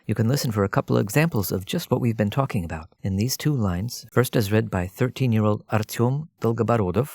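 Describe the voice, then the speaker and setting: A man narrating a scripted language lesson as a teacher, explaining in a measured way and addressing the listener directly. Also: fairly low pitch, vocal fry, a little mellow, no room sound, clean studio sound.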